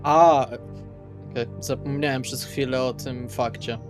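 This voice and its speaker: A man speaks at a middling pitch as a player in a tabletop game. He is colloquial and wry, moving between in-character chat and narration. There is music behind him. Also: fairly even intonation, measured pace. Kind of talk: improvised in-character chat and third-person narration. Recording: music under the voice. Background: background music.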